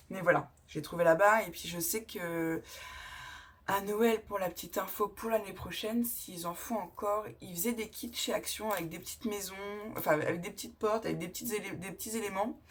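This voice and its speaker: A husky, mid-range female voice moves at a moderate pace through a casual crafting haul. The scrapbooking vlogger rambles and chats, laughing and frequently correcting herself while enthusiastically displaying each item for the camera.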